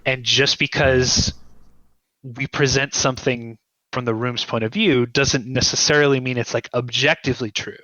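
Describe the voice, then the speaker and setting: A man being interviewed as a guest writer, explaining his ideas conversationally in a thoughtful, halting way and often checking in with "right?". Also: medium pitch, steady tone, bright, forceful tone, no room sound, dull audio.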